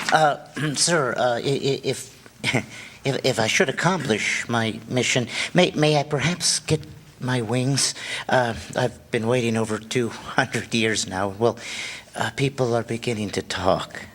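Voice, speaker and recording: A man's voice: mid-range voice, measured pace, fairly bright tone. A man playing a timid, eager, centuries-old apprentice angel, stammering and fussy, in a staged radio drama. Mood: flustered, hopeful.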